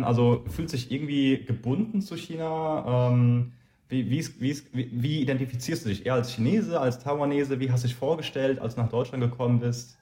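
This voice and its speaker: A man's voice: mid-range voice, warm tone, echoey room. A man hosting a podcast, asking questions in a friendly, informal way with frequent restarts. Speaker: podcast host. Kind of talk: casual interview conversation.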